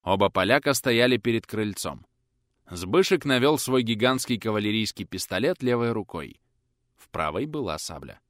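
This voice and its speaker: A man's voice: fairly low pitch, lively intonation, moderate pace, a bit bright, no room sound, studio quality. A man narrating a war adventure audiobook in a tense, vivid manner.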